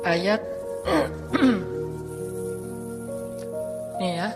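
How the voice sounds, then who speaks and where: A man's voice: high-pitched, very animated, very slow. A male preacher giving a casual, colloquial sermon, telling stories with emotion and acting out the voices of people in them. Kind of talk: casual Islamic sermon storytelling. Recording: reverberant hall with music behind.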